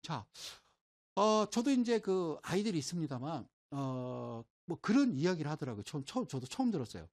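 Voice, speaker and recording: A man's voice: on the high side, very animated, brisk, a little mellow. A middle-aged man lectures informally on investing, leaning on everyday examples as he sketches on a board. His voice moves up and down with plenty of life. He keeps stopping to ask whether his listeners are following. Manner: folksy, keeps asking "right?" to check the audience follows; explains with everyday homespun examples while drawing. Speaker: stock market lecturer.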